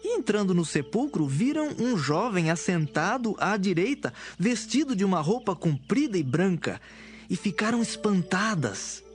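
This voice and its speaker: A man's voice: sits high, very animated, moderate pace. A man giving a scripted narration of an audio Bible. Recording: music behind the voice.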